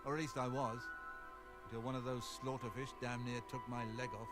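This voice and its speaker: Gruff old fisherman, acted by a man, loud music. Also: medium pitch, level tone, fairly quick, lightly acted. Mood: aggrieved. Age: older. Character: gruff old injured fisherman, weary and bitter. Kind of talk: scripted video game dialogue.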